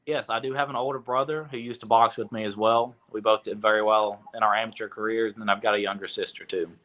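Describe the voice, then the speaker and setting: A young man from Tennessee, a boxer, answering interview questions in a relaxed way with lots of fillers. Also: on the low side, fast, dull audio. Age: young adult. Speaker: boxer, guest.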